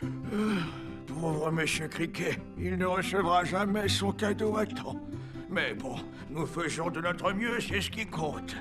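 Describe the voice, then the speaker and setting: A man's voice: high-pitched, slow. A man playing a fussy, kindly, worried postman with a theatrical, ceremonious manner in a French-dubbed children's cartoon. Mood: resigned, kindly. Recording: music behind the voice.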